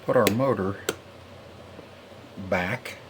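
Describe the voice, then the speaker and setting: A man with a fairly low voice talks casually through hands-on repair work. He mutters to himself in a plain, folksy way as he goes. The recording is clearly noisy, like an unpolished home video. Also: very slow.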